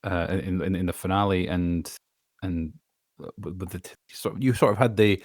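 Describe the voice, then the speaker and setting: A man's voice: sits low, steady tone, normal speed, dry recording, clean studio sound. A man voice actor chatting casually as he is interviewed. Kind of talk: casual chat.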